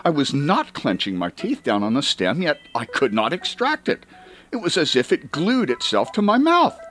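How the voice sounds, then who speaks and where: A man reading a comic first-person story as an audiobook, with dramatic emphasis and drawn-out words. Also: a little high, huge pitch swings, fairly bright tone. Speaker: audiobook reader.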